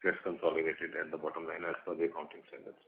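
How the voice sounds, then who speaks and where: A man's voice: a bass voice, monotone, racing, vocal fry. A man speaking as a company executive, carefully and a little hesitantly answering financial questions on a call. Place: telephone conference call. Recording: narrowband phone line with faint noise.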